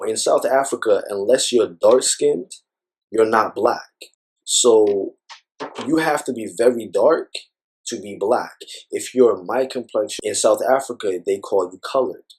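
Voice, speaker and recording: A man's voice: on the low side, measured pace, a little mellow, slightly rough, poor audio. A man speaking as an interview guest, talking thoughtfully in a rambling way with many fillers. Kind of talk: reflective personal conversation.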